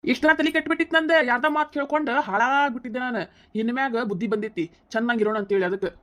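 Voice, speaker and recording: A woman's voice: fairly high pitch, very fast, a bit bright, natural voice. A woman voicing a heated young husband in a cartoon comedy, scolding and lecturing insistently, with a North Karnataka Kannada accent. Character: heated young husband defending his wife against his mother.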